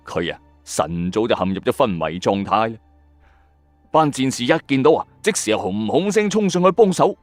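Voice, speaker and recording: A man's voice: medium pitch, darkish tone, no room sound. A man with a Hong Kong Cantonese accent telling a scripted horror story in a dramatic, suspenseful, colloquial way.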